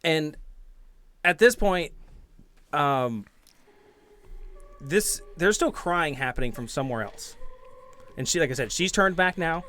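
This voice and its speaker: A man's voice: a little high, expressive, slow pace, pauses often, sharp tone. A man narrating a tabletop game as game master, improvising in a casual, hesitant way.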